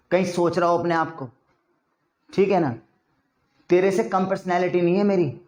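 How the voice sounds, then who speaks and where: A man teaching English in a chatty way, repeating example sentences slowly so learners can drill them. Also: high voice, a little mellow, echoey room. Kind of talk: spoken English lesson in Hindi.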